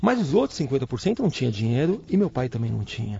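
A man's voice, somewhat breathy and medium in pitch. He talks at a moderate pace. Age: 30s. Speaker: podcast host and corporate speaker. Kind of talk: casual interview chat.

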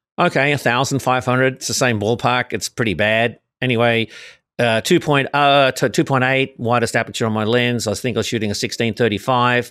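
With an Australian accent, a man speaks at medium pitch and a moderate pace, with ordinary pitch variation and a bright, sharp tone. The sound is dry and close with no echo, on a very clean recording with a silent background. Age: 60s. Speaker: photographer. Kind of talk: casual chat.

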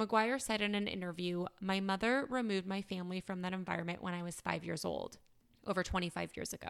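This woman talks at a very fast pace. Her pitch is medium and her intonation fairly even. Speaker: podcast co-host. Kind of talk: casual chat over beers.

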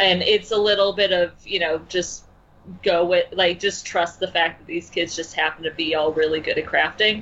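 Over noticeable background noise, a woman with an American accent speaks at a fairly low pitch and a moderate pace, her intonation fairly even. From US Midwest, Chicago. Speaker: comic writer. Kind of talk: casual chat.

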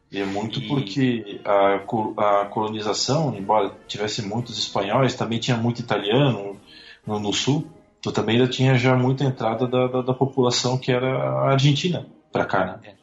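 A man's medium-pitched voice with a strong Santa Catarina accent, moderate in pace and fairly even in intonation, with music in the background. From western Santa Catarina, Brazil (Videira). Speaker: podcast guest, local of the state. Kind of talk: casual chat.

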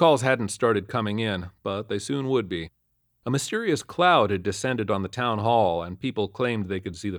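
Quiet surroundings and an unforced reading voice.

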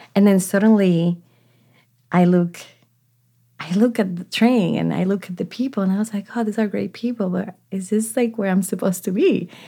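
A woman speaks at a moderate pace and a medium pitch with fairly even intonation. Her tone is dark and mellow and somewhat breathy. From Dominican Republic. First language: Spanish. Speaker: motion graphics designer and storyteller. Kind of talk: interview. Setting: in person.

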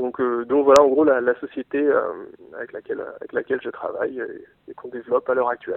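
With big swings in loudness, a man talks at a fairly quick pace. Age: 20s. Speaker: visual effects supervisor and entrepreneur. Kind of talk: interview. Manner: halting.

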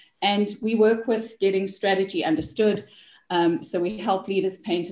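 An unremarkable speaking voice, this woman talks at a moderate pace with medium pitch and ordinary pitch variation. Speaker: leadership consultant and author. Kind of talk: casual interview.

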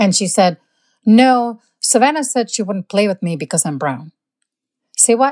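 A woman with an American accent speaks at a moderate pace in a fairly high voice, her pitch swinging very widely, with long, frequent pauses and a dry, close sound with no echo. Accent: American English without foreign. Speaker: physician. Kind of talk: interview conversation. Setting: video call.

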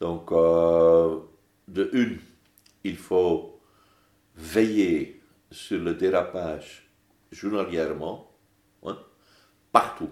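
Long, frequent pauses mark this man's very slow speech. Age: 60s. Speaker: bank CEO. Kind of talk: interview. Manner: hesitant, many fillers.

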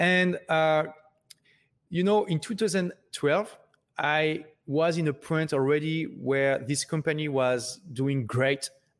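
Very slow delivery with ordinary pitch variation. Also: man, fairly high pitch for a man. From France. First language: French. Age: 40s. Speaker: author and entrepreneur. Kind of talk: live stream talk. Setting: live broadcast.

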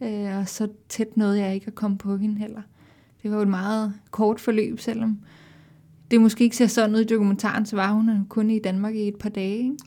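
A woman's fairly high-pitched voice, dark and mellow in tone, monotone and flat, at a moderate pace on a very clean recording with a silent background. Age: 20s. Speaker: documentary participant. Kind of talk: interview.

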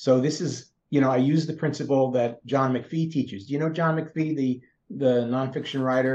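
The man's tone is dark and mellow. His intonation stays fairly even. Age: 60s. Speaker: author. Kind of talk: interview.

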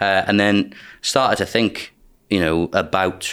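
A man with a Welsh accent and fairly even intonation, on a very clean recording with a silent background. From South Wales. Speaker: sociologist and author. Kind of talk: interview conversation. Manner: halting, many repetitions.

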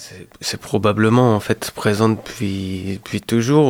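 An unremarkable speaking voice with fairly even intonation at a fairly slow pace. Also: man. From Anjou, western France. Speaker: poet. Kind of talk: interview. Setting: radio studio.

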